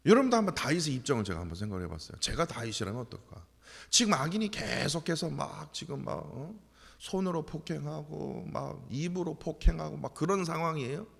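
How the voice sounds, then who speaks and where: A man preaches a morning sermon in a church, throwing rhetorical questions at his listeners. His voice sits fairly high and has a gravelly edge. The sanctuary adds a long, ringing reverb. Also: a little fast. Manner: animated preaching with rhetorical questions and acted-out quotes. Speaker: pastor.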